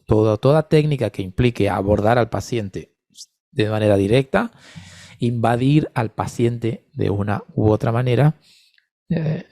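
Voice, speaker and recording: Mellow-voiced man teaching speech therapy. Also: lowish voice, no echo, clean studio sound. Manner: patient, explanatory, addresses attendees by name. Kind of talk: online mini-course answering questions.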